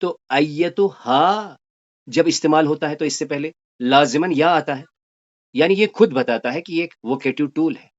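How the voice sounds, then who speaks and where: A man teaching a Quranic Arabic grammar lesson. He recites verses slowly and then explains them briskly. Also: a little high, muffled recording.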